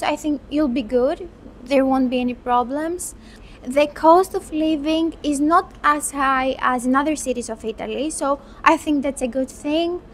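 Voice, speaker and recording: A Greek medical student in her twenties, answering interview questions in a thoughtful, unhurried way with some restarts. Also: sits high, slight background noise. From Greece. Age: 20s.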